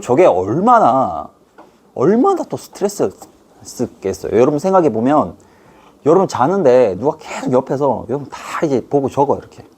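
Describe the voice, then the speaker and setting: A middle-aged man gives a lively online history lesson, chatting playfully with his students. His slightly husky voice rises and falls energetically, and he keeps dropping into brief put-on voices to act out scenes.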